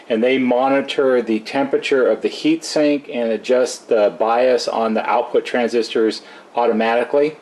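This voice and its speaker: A man's voice: medium pitch, darkish tone, poor audio. A man giving an unscripted, methodical, explanatory walkthrough of a hands-on electronics repair as a technician. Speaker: electronics repair technician hosting a rebuild video. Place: indoors at a repair workbench.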